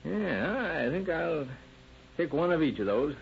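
An actor playing a helpful, ordinary shop customer in a 1930s radio crime drama. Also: male voice, a little high, big pitch swings, measured pace, gravelly, full character voice. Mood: calm. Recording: dull, noisy old radio recording.

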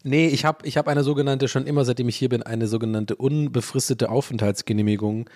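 Speaking quickly with a steady, medium-pitched and slightly mellow tone, a thirty-something man from Dublin runs his own podcast. A native English speaker, he rambles through a self-mocking casual chat loaded with fillers, restarts and playful cursing.

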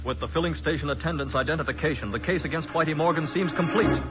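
A male radio announcer reads scripted narration in 1940s style. His voice is a bit high, over clear music on a dull vintage recording. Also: quick pace.

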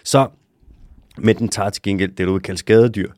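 A man with a lowish voice chats casually as a podcast co-host, explaining animal facts with swearing and easy laughter. The sound is close and dry, with no room around it. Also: steady tone, a little mellow, no echo. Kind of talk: casual chat about animals.

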